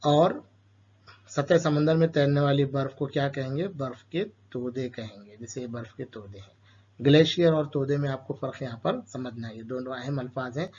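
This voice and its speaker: Teaching children a chapter from school, a man with an Urdu-speaking Indian accent asks questions and supplies the answers himself. He speaks at normal speed in a medium pitch with a darkish, breathy-edged tone, captured in dull lo-fi sound.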